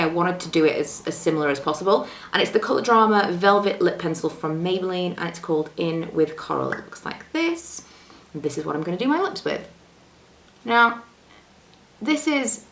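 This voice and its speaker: A young woman talks casually through a makeup routine, self-deprecating and full of little fillers. Her voice sits a touch low, roughened by an oncoming cold. She is close to the camera in a home room with some echo and a faint hiss. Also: fairly bright tone. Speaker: beauty vlogger. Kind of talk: casual makeup tutorial chat. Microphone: camera close to the face.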